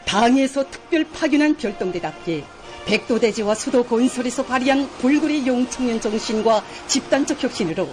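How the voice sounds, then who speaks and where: A woman's voice: a little high, a little mellow. A woman with a North Korean accent reads formal scripted television news in a solemn, reverent, declamatory manner.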